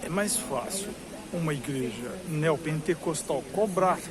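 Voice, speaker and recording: This vlogger, a man with a high-ish, animated voice and a Brazilian Portuguese accent, speaks unhurriedly amid a crowd queuing outside a cathedral. His commentary is rambling and informal, long-winded and repetitive for emphasis, against busy crowd noise, hiss and background chatter.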